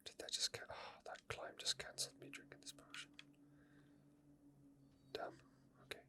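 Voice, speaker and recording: A man whispers soft, rambling ASMR commentary over his own gameplay, thinking aloud without hurry as an ASMR gaming video host.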